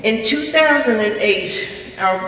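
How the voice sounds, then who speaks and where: High-pitched older Brooklyn woman giving a speech. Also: animated, a little slow, fairly bright tone. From Brooklyn, New York. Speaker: guest speaker, club officer. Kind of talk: prepared speech to a club meeting. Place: large echoey meeting room, live audience. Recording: distant mic, echoey hall, noisy room.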